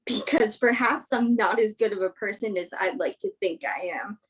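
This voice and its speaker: A woman's voice: mid-range voice, normal speed, slight background noise, close to an everyday voice, low-quality recording. A woman acting a bitter, guarded young woman, confrontational and sarcastic, in a staged play reading. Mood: angry, defensive.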